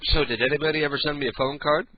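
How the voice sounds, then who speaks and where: Throat-clearing punctuates the rambling stories of an older late-night radio host, whose raspy, booming voice sounds blocked up in the sinuses as he talks casually and profanely. The audio is dull.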